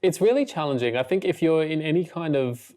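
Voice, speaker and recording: A man chatting as an interview guest, upbeat and playful, speaking in quick run-on phrases. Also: fairly high pitch, lively intonation, darkish tone. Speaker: guest, regional manager and radio presenter. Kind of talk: casual interview chat.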